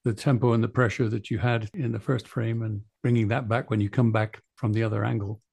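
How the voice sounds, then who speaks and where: A man interviewing a puppeteer, asking thoughtful questions in a measured, reflective manner. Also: lowish voice, little pitch movement, creaky, darkish tone, breathy edge.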